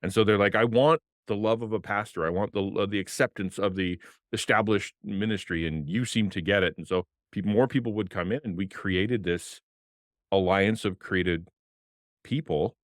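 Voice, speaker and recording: A middle-aged man and former pastor with a deep voice, talking passionately as a guest on a video-call podcast at a desk mic. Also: no echo, studio quality. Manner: passionate, animated, gestures with hands. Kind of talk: casual interview talk. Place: home streaming room with colored lights. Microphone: desk podcast mic on arm, headphones.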